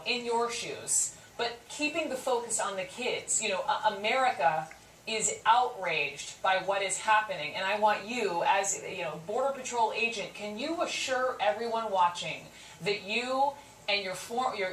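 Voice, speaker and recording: A woman's voice: medium pitch, fairly bright tone. A woman conducting a live television news interview, pressing her points emphatically and repeating them for weight. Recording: roomy echo, distant mic, faint noise.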